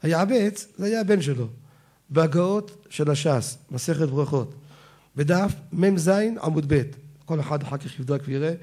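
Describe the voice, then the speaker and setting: A man with an Israeli Sephardi accent, a rabbi giving an animated Torah lecture who quotes his sources and slows down to spell out how words are pronounced. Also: a little high. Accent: Israeli Sephardi Hebrew.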